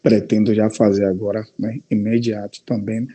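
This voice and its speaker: Male guest from Salvador, mellow tone, hesitant casual speech on a video call. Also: on the low side, level tone, moderate pace. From Salvador, Bahia, Brazil. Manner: hesitant, with frequent "né?" and "certo?". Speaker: guest, real estate broker. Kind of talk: casual live-stream chat.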